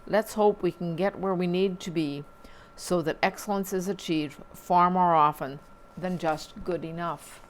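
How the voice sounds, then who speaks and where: A woman reading local newspaper items aloud at a measured pace, with small slips and dry asides. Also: on the low side, fairly even intonation, a little hiss or hum, poor audio.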